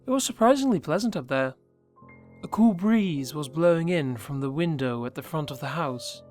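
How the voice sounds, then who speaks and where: Male horror narrator, fairly high voice, measured and hushed in the tense bits, faint music bed. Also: animated. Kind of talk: scripted horror story narration.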